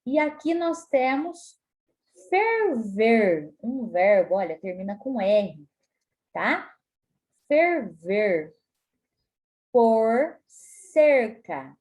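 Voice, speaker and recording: A woman with a Brazilian Portuguese accent teaching a spelling lesson to children, explaining patiently and stretching words out slowly. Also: fairly high pitch, big pitch swings, darkish tone. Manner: slow, stretches words out syllable by syllable; frequent tag questions, patient explaining tone. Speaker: primary school teacher.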